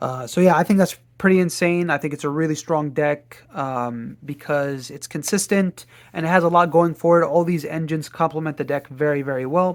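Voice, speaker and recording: The speech runs at a moderate pace with hardly any pauses. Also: very clean recording, silent background. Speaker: card game content creator. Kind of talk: tutorial. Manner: mumbling; halting, many fillers.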